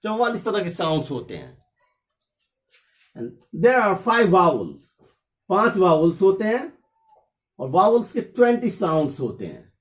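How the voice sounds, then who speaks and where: A man's voice: sits high, very animated. A man teaching a spoken English lesson, explaining each point in English and then repeating it in Hindi. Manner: slow, deliberate English examples.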